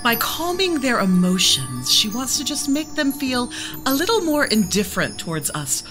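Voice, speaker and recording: A woman's voice: a little high, wildly swooping pitch, moderate pace, music in the background. A woman playing a tabletop game, describing what her character does.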